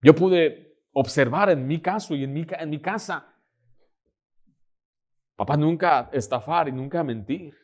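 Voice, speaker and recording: A man preaching a sermon, telling a personal story and acting out the dialogue with lively energy. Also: on the high side, measured pace, long pauses.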